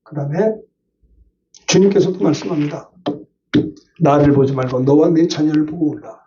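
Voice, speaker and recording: A man's voice: fairly high pitch, moderate pace, warm tone, far from the mic, lo-fi sound. An older male pastor preaching a Sunday sermon, emphatic, often turning to the congregation with short questions.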